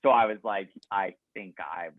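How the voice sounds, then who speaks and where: A woman's voice: extremely low pitch, moderate pace, narrow, tinny audio. A woman chatting casually as a cast member playing trivia. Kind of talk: casual chat. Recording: loud background noise, clicks.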